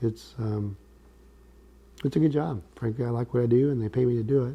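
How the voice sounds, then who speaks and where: Somewhat breathy, a man speaks at a medium pitch with a dark, mellow tone. His pace is fairly quick. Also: ordinary pitch variation. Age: 60s. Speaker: businessman with quadriplegia. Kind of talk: interview testimony. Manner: halting, with repetitions and fillers.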